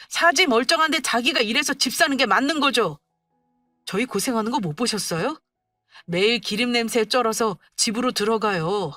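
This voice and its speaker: A woman's voice: on the high side, sharp tone, no echo. Story reading: woman voicing an exasperated adult son, firm and pleading, faint music under. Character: overworked adult son standing up to his mother, exasperated.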